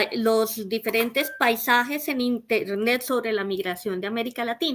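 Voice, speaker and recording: A bright, sharp voice with a Colombian accent keeps a fairly even intonation on a very clean recording with a silent background. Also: woman. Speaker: researcher and author. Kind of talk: radio interview.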